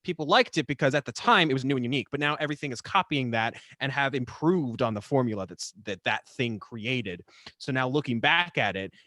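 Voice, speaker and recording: A man chatting casually on a podcast, talking in a halting way and repeating words as he goes. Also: medium pitch, fairly bright tone, no echo, clean studio sound. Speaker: podcast co-speaker, voice actor.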